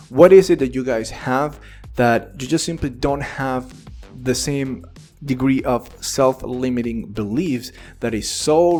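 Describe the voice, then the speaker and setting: Earnest man, native Spanish speaker, teaching. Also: mid-range voice. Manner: earnest, encouraging, animated delivery. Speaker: English teacher. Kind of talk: direct-to-camera English lesson.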